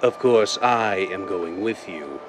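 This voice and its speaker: Man playing a deep-voiced, menacing blind crime boss. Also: expressive. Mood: cold, commanding. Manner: deliberate, commanding, theatrical. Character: blind, cold, menacing male crime mastermind called the Owl. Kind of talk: 1930s radio drama acting. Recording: noisy vintage-style radio drama recording.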